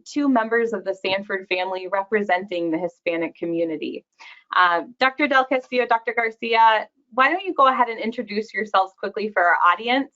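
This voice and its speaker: Woman hosting a webinar, bright clear tone, upbeat, kinda muffled call audio. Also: medium pitch. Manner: upbeat, welcoming. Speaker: webinar host. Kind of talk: hosted webinar conversation. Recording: dull lo-fi audio.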